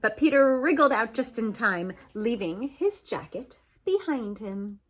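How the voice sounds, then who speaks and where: A woman reading a children's story aloud as an animated narration, expressive, with dramatic swoops and pauses. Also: on the high side, a little hiss or hum. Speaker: storybook reader.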